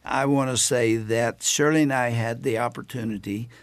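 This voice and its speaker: An older man hosting a radio interview show, speaking deliberately in a studio. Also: medium pitch, steady tone, dry recording. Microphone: studio microphone.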